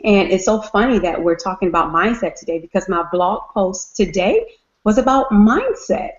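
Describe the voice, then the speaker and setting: A woman's voice: mid-range voice, big pitch swings, normal speed. A woman in her thirties on a video call, talking upbeat and with repeated emphasis. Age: 30s. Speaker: guest mother. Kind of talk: casual call chat. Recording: lo-fi call audio.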